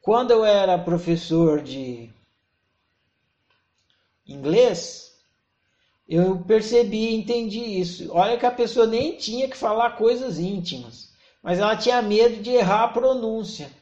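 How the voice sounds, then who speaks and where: A man's voice: high voice, unhurried, a little mellow. A man, explaining ideas in a thoughtful, reflective talk with frequent restarts. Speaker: speaker on self-knowledge. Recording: roomy, slightly dull recording.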